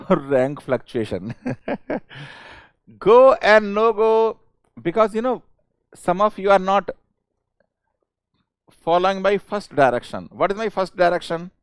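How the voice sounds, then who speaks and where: Male online lecturer, South Indian accent, high clear voice, dry sound, insistent repetition, informal classroom coaxing. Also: expressive, unhurried, long pauses, no echo. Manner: repeats questions and phrases insistently; chuckling, informal, coaxing students. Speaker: teacher of an online engineering class. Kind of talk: live interactive exam-prep lecture.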